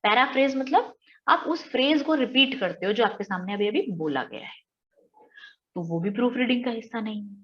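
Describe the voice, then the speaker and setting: A woman's voice: on the high side, animated, moderate pace, highs cut off. An Indian woman teaching an exam-prep lesson, explaining step by step with everyday examples and rhetorical questions. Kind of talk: exam-prep lecture mixing Hindi and English.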